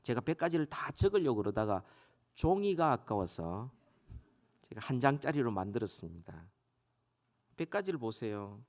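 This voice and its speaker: A male pastor preaching a sermon in a church, stressing key words by rising louder and slowing down. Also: medium pitch, very animated. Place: church sanctuary. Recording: long reverb of a church hall.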